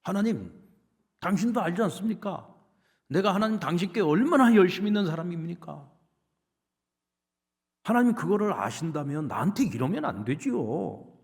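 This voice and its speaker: Pastor putting on a whiny prophet guy, complaining and pleading, voice goes higher. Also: sing-song, normal speed, creaky, long pauses, full character voice. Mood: aggrieved. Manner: aggrieved, pleading. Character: complaining, self-pitying male prophet.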